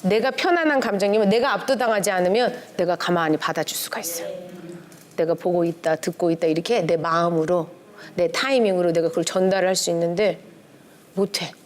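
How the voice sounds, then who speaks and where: A woman's voice: on the low side, a little fast. A middle-aged woman, a pastor's wife, giving a conversational lecture on family relationships to a church class, acting out little bits of dialogue as she goes. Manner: lively, acts out quoted dialogue with shifting tones.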